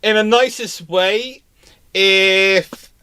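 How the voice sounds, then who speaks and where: A man's voice: high voice, very slow, pushed and bright, smooth. A man hosting a live stream, chatting casually and answering questions in a rambling, self-interrupting way. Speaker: host of a naval history live stream.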